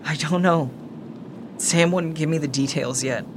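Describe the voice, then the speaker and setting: A man acting a grieving, gentle and hesitant younger brother in an audio drama. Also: fairly high pitch, measured pace, noisy background, natural voice. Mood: shaken, hesitant.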